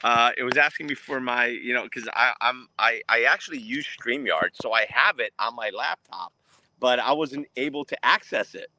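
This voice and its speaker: A man who grew up in New Jersey, born in Portugal, chatting as a guest on a video call from outdoors in his garden, talkative and quick to laugh. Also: mid-range voice, sharp tone. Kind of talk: casual video chat.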